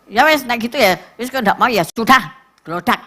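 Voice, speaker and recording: A middle-aged woman pastor with a Javanese accent, preaching a sermon to a church and telling stories with lively asides to the congregation. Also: on the high side, moderate pace. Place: church service.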